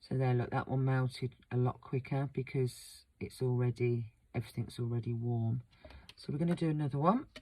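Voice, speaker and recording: A woman with a croaky, slightly sore-throated voice talks through a wax seal craft demonstration in a relaxed, rambling way. Her pitch stays flat and level, and she fills pauses with frequent ums. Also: no room sound. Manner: relaxed, chatty, many ums. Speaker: craft channel host.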